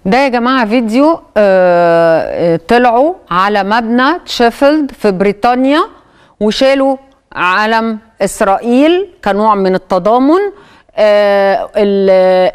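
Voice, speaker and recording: A woman's voice: mid-range voice, clear, resonant tone. Egyptian woman hosting a TV talk show. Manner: hesitant, pauses with fillers. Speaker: TV host.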